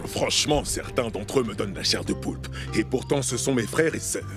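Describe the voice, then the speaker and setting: An actor playing a proud, grumpy hermit crab water spirit in a children's cartoon, pompous and gravelly. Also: male voice, lowish voice, moderate pace. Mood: grumbling. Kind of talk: French cartoon dubbing. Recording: music under the voice.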